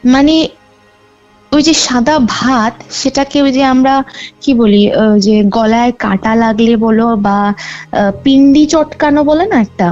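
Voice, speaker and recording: A woman's voice: on the high side, measured pace, darkish tone. A woman telling a true ghost story as a caller, rambling with many fillers and restarts. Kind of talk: casual storytelling over a phone call. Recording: dull lo-fi call recording with faint music.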